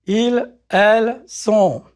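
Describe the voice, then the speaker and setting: A speaker giving slow, carefully articulated French words and drills for learners to repeat. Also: mid-range voice, darkish tone. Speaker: French pronunciation model speaker. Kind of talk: slow drilled language-lesson prompts.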